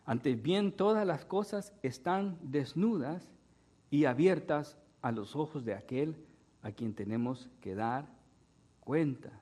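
A man's voice: on the high side, lively intonation, takes it slowly, dark tone. A male pastor preaching a sermon, retelling a fable and tagging his sentences with "¿no?". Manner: storytelling with frequent "¿no?" tags.

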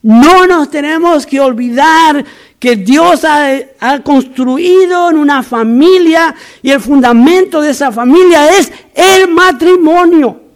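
A man's voice: very high-pitched, slow pace. A man from Argentina preaching a sermon as a pastor, emphatic and repetitive, with humorous asides.

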